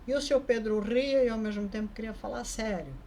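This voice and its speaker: Lively woman telling a story. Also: a little high, brisk, slight background noise. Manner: lively, acts out the people in her story; frequent tag questions. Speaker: vlogger telling personal stories. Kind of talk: casual storytelling.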